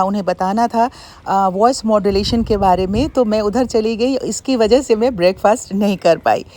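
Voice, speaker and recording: A woman's voice: mid-range voice, darkish tone. A middle-aged woman narrating a casual daily vlog in a chatty, explanatory way. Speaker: vlogger and radio broadcaster.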